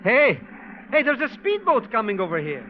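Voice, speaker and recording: An actor playing a timid, comic sidekick, flustered and exclamatory in old radio style. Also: male voice, extremely high pitch, wildly swooping pitch, normal speed, heavily acted. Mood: chatty, surprised. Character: excitable, timid foreign sidekick, comic and scheming. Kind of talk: 1940s radio acting. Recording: dull, noisy old-time radio recording.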